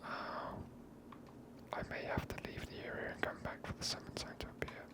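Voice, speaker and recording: Speaking only in a whisper, this streamer gives ASMR-style commentary on a game at a normal speed. It comes out breathy and hushed, the voice scarcely audible as sound.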